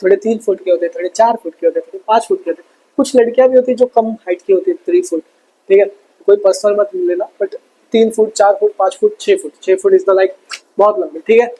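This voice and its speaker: A man's voice: high-pitched, fast, warm tone, husky, low-quality recording. A male teacher with an Indian accent giving an exam revision lesson, cracking jokes and constantly asking his students questions. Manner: joking, calls himself bhaiya, keeps asking students questions.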